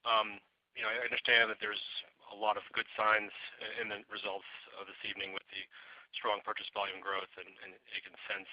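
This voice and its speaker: A man's voice: lowish voice, monotone, fairly quick, dry recording. A man asking questions as a financial analyst on an earnings call, polite and hesitant in his phrasing. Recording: dry, dull phone line.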